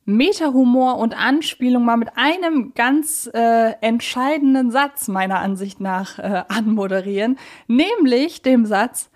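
A woman's voice: on the high side, lively intonation, a little slow, few pauses, darkish tone. A woman podcast host moderating conversationally, explaining things in a chatty, wordy way.

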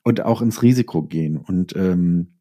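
A man's voice: low voice, moderate pace, highs cut off. A man speaking as a guest in a casual interview, thinking aloud with repeated words and self-corrections.

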